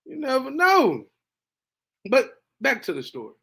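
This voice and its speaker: A man hosting a podcast, reacting casually to a football game, animated and talkative, dropping to low mutters and jumping to excited high bursts. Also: a little slow, vocal fry, slightly rough. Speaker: podcast host. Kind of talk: casual sports reaction monologue.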